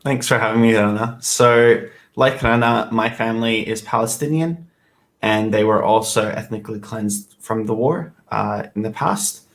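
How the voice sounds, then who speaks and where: A man's voice: on the low side, moderate pace, gravelly. A man appearing as a guest, speaking plainly and earnestly in casual chat.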